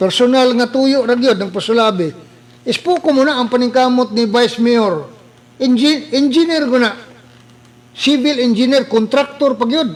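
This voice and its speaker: A man speaks at a moderate pace with an extremely high pitch and ordinary pitch variation. Noticeable background noise is present. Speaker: local political commentator. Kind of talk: political rant. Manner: animated.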